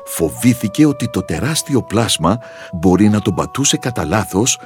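Deep male narrator for a kids' storybook, animated and expressive. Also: faint music behind.

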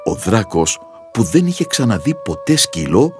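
Deep male narrator for a kids' storybook, animated and expressive. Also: soft background music.

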